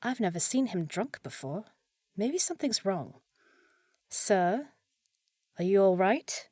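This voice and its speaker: A woman's voice: medium pitch, very animated, slow, mellow, dry recording, clean studio sound. A woman playing a short, fussy young village housekeeper in a fantasy audio roleplay, proper and easily flustered, scolding yet caring. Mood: worried, caring. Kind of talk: scripted fantasy audio roleplay, spoken to listener.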